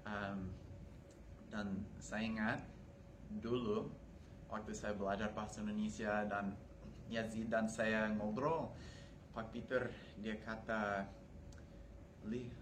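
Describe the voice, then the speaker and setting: A man's voice: fairly low pitch, little pitch movement, slow, pauses often. A young American man, a native English speaker, talking casually to camera as a foreigner speaking Indonesian. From United States. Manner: foreigner speaking Indonesian, with Malay-tinged wording. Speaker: university language student. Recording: clearly noisy room ambience.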